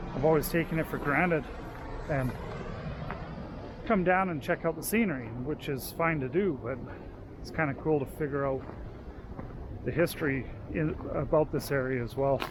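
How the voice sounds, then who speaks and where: Amid noticeable background noise, a man with a fairly high pitch speaks at a moderate pace, using ordinary pitch variation and long, frequent pauses. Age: 50s. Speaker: overland travel vlogger. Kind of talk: casual talk to camera. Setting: outdoors, windy. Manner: conversational, relaxed.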